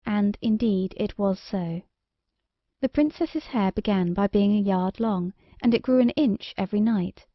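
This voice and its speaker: A woman's voice: medium pitch, a little slow, no echo, lo-fi sound. Woman narrating a storybook, very dry sound. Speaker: audiobook narrator.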